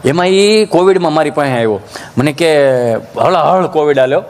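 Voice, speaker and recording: A man with a Kathiawadi Gujarati accent, telling folk stand-up jokes in an animated, jokey way, with preachy asides. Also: fairly high pitch, moderate pace. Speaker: folk comedian.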